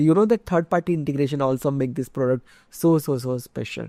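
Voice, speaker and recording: Against a quiet background with dry sound and no echo, a man with a Gujarati accent talks at a fairly quick pace in a fairly high pitch with a dark, mellow tone. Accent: Indian English (Gujarati). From India, Gujarat. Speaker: software tutorial instructor; software trainer. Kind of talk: tutorial. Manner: conversational, with filler words.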